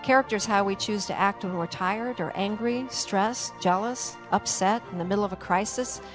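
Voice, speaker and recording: A woman's voice: medium pitch, normal speed, music in the background. An older woman giving a motivational keynote on a conference stage with a handheld mic, with a punchy, emphatic delivery aimed at the audience. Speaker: keynote speaker. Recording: roomy hall with long reverb.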